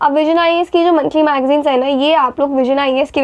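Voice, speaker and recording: Her high-pitched voice keeps fairly even intonation as this woman talks at a moderate pace. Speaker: exam-prep educator. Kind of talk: lecture.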